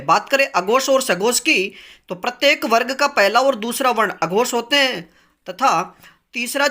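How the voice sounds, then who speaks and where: A man's voice: sits high, sharp tone. A man teaching as he runs a grammar quiz, reading each question and its options, then explaining the answer patiently.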